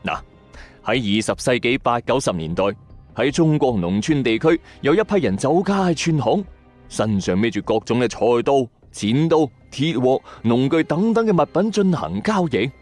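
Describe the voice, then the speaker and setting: A man with a Hong Kong Cantonese accent, host of a storytelling podcast, narrates a scripted story in a dramatic, conversational, suspenseful manner over background music. His mid-range voice is sing-song and a little mellow, moving at normal speed.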